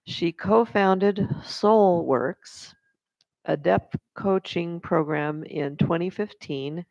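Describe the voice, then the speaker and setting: Gravelly woman reading an introduction. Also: on the low side, dry recording. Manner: reads slowly with warm asides and laughter. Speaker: service moderator introducing the speaker. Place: church hall. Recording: dull, dry sound.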